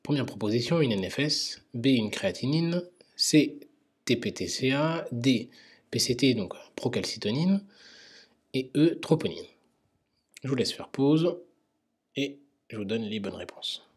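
A man's voice: medium pitch, animated, a little slow, long pauses, husky. A man teaching emergency medicine through a multiple-choice case, explaining answers with frequent hesitations. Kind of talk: quiz-style medical lecture.

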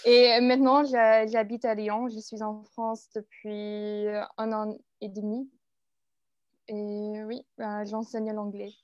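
A young American woman introduces herself on a video call, soft and hesitant. She speaks slowly. The call audio is dull and very dry. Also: medium pitch, little pitch movement, clear, resonant tone, no room sound. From United States. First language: English. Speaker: guest, English teacher. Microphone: video call, earphone headset.

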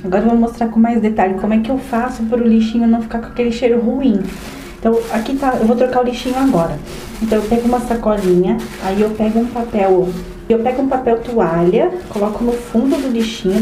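Chatty Brazilian woman, bright higher voice. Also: low-quality recording. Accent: Brazilian Portuguese. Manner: chatty and upbeat, often addressing viewers directly. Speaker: vlogger. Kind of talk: casual home vlog, showing chores. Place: small apartment bedroom and bathroom indoors. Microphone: handheld wide-angle camera mic.

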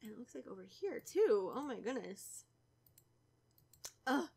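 A young woman with a cold, stuffy and a little raspy, chatting casually through a let's play and teasing the characters. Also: on the high side, sing-song, measured pace, dark tone. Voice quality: slightly raspy. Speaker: gaming YouTuber.

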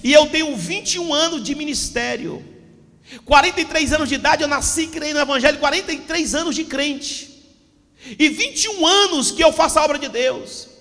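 A man in his forties preaches with fiery fervor, his very high, bright, forceful voice often rising to a shout. He holds a handheld mic, and the sound carries a long reverb from the church hall around him. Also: moderate pace. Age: 40s. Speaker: pastor. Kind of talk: impassioned Pentecostal sermon. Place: church hall with a stage backdrop. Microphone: handheld microphone.

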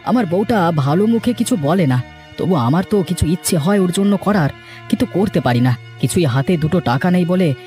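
A man's voice: sits high, animated, normal speed, a little mellow, soft background music. A man voicing a poor, trusting village farmer in a cartoon, meek and plaintive. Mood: sorrowful, pleading. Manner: plaintive, pleading. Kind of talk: dramatic cartoon voice acting.

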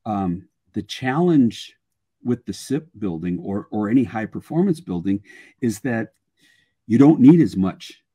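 A man's voice: on the low side, expressive, measured pace, dark tone, slightly rough. An older man speaking as a guest expert, explaining technical matters informally on a webinar video call. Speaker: guest expert, structural engineer and sales manager.

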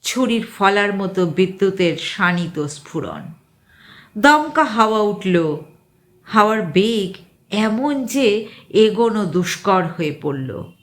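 Female narrator for spooky fiction: unhurried, widely varied intonation, deliberate pauses, suspenseful dramatic read. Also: mid-range voice, expressive. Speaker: storyteller reading fiction aloud. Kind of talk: dramatic scripted narration of an eerie short story.

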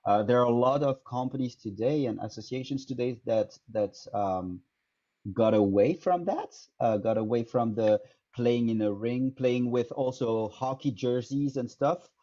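A man from France speaks English with a French accent, in his thirties, talking through a headset on a video call. His voice is dark and mellow. He thinks aloud with frequent fillers and restarts, and the call audio sounds dull and lo-fi. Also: medium pitch, unhurried. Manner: thoughtful, hesitant, many fillers and restarts. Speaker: improv teacher. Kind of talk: casual interview answers. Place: small room indoors.

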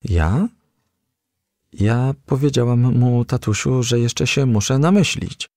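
A man's voice: mid-range voice, expressive, slow pace, mellow, dry recording, studio quality, voice pushed up. Man reading as shy young firefly girl. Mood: hesitant.

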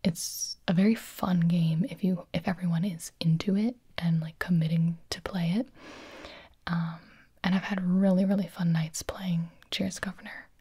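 Young woman, whispering, very breathy, mellow, casual ASMR chat. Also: fairly low pitch, fairly even intonation, normal speed. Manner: whispering throughout, chatty and playful. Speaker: ASMR creator. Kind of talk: whispered ASMR explaining party games.

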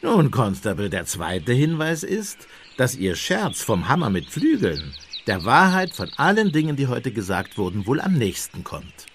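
An actor playing a mild, shrewd Catholic priest detective in a German radio play, measured and politely evasive with understated irony. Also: male voice, medium pitch, huge pitch swings, slight background noise. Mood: calm, firm.

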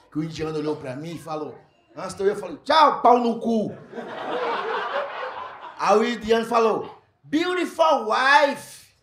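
A man doing a crude, animated stand-up comedy set, slipping into mock foreign voices as he tells his story. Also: sits high, background noise. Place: comedy club stage with a live audience. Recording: echoey room, loud crowd laughter.

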